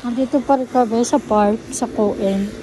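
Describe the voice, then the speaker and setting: A woman's voice: fairly high pitch, a little slow, noisy background. A woman with a Filipino accent chatting casually for a family vlog, outdoors in a park. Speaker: family vlogger and parent.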